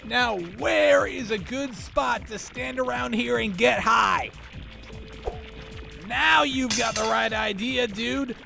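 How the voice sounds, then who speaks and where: Cartoon stoner bro, male, acted: laid-back slang, slow, creaky, dim and friendly, music underneath. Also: very high-pitched, pushed and bright, exaggerated voice. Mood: mellow, goofy. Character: easygoing, dim young male stoner dude. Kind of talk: cartoon parody dub. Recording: music behind the voice.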